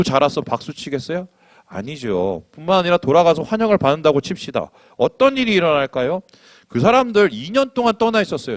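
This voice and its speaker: A male pastor delivering a sermon, his pitch a bit high and swinging widely. He questions the congregation and acts out what people say. The voice sounds dry and close. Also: no room sound. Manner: animated, acts out quotes, asks the congregation questions.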